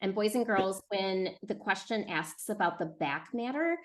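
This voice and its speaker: A woman's voice: medium pitch, lively intonation, normal speed. Woman hosting an online Q&A. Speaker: host, book publisher's representative. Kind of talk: hosting a casual online author Q&A. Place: remote video call.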